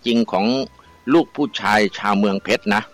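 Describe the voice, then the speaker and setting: A man's voice: fairly low pitch, moderate pace, close to an everyday voice. A man voicing an earnest, smitten young village man in a told folktale, speaking in a pleading way.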